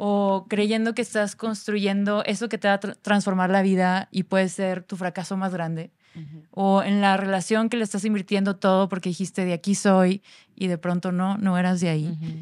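A woman speaks at a moderate pace in a flat monotone, on a very clean recording with a silent background. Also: medium pitch for a woman. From northern Mexico. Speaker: podcast co-host. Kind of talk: casual chat.

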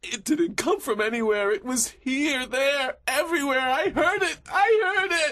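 A put-on character voice, high-pitched, at a moderate pace with hardly any pauses. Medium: audio drama. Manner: hysterical, frantic.

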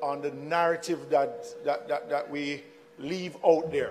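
There is noticeable background noise as a man speaks at a fairly high pitch with ordinary pitch variation and a moderate pace. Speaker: member of parliament. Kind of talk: parliamentary debate. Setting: parliament chamber.

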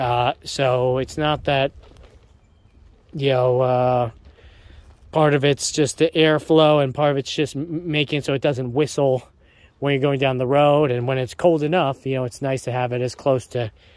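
A man talks at a fairly slow pace with fairly even intonation. His speech has long, frequent pauses, and the sound is dry with no echo. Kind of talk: casual vlog chat. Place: street. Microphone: phone near.

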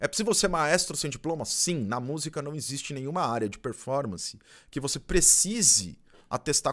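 This is an ordinary speaking voice at a moderate pace. The background is quiet. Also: man. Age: 30s. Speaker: music streamer. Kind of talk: casual live-stream chat. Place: home room. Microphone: studio mic.

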